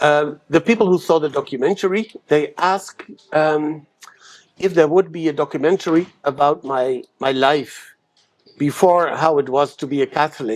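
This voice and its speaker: A man's fairly high voice holds a moderate pace, its pitch shifting in an ordinary way. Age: 60s. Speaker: documentary subject and teacher. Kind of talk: interview. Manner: halting.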